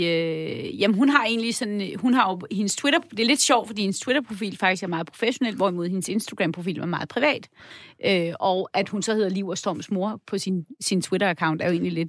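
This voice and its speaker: A woman speaks in a normal speaking voice with a medium pitch. Her pace is moderate, with ordinary pitch variation. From Denmark, Møn. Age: 50s. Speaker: think tank director. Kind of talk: radio panel discussion. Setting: radio studio.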